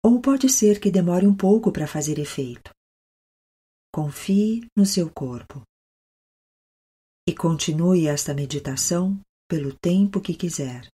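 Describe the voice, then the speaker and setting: Brazilian female meditation guide, soothing yoga-teacher delivery, mellow and breathy, pausing often. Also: lowish voice, animated.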